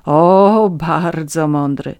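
A reader voicing a fawning, red-nosed petty scribe, a man who begs for vodka and wheedles his listeners in a high, eager voice. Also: very slow, a little mellow, smooth, no room sound. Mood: wheedling. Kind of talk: audiobook reading.

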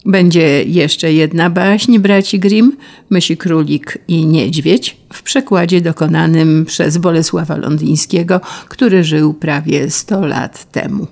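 A radio announcer giving brisk, informative notes between stories. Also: medium pitch, fairly even intonation, vocal fry, a little mellow.

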